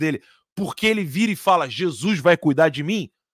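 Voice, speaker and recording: The speaker, with a Brazilian accent, uses lively intonation in a very clean recording with a silent background and a dry, close sound with no echo. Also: man. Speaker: political commentator host. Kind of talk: angry rant. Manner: indignant, heated, emphatic.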